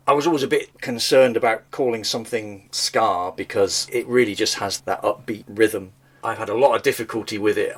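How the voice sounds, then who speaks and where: A man's voice: lowish voice, fairly bright tone. A man hosting a podcast, talking casually and self-deprecatingly about music he has written, in a slightly thin voice. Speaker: podcast host and songwriter.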